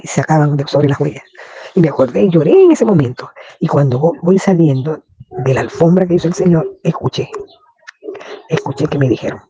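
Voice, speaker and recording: Catholic lady sharing her testimony, husky raspy voice, dull lo-fi sound, prays out loud a lot. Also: sits low. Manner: fervent, prayerful, repeats praise phrases. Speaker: Catholic laywoman giving testimony. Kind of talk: emotional faith testimony.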